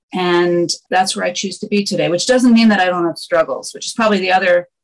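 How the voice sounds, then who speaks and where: A woman's normal speaking voice, medium in pitch, with ordinary pitch variation. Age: 60s. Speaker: mentor to women, former career professional. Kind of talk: interview.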